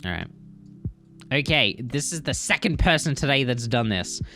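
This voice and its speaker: A man's voice: mid-range voice, expressive, normal speed, bright, forceful tone, faint music behind. A man who is a speedrunner and streamer, giving casual, blunt, teasing commentary on gameplay with gamer slang and swearing. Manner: blunt, teasing, exasperated critique.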